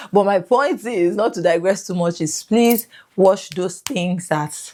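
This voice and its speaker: A woman with a Yoruba accent talks at a moderate pace. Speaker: lifestyle vlogger. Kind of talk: casual advice talk.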